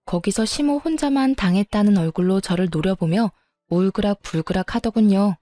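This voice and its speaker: A woman narrating a family story in the first person, in an even storytelling manner. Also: medium pitch, moderate pace, no room sound, soft background music. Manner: even, storytelling, politely firm in quoted lines.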